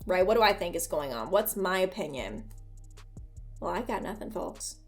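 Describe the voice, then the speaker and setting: A woman's voice: on the low side, very animated, normal speed, faint music behind. Irreverent, conversational woman commentator. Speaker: host of a horror commentary video. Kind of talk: casual, profane video commentary.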